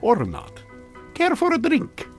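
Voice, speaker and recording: Nonchalant older villain, retired mad scientist: dry wit, hugely animated pitch, radio comedy with music underneath. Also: male voice, slow pace, full character voice. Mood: breezy teasing. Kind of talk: comedic radio drama acting. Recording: music behind the voice.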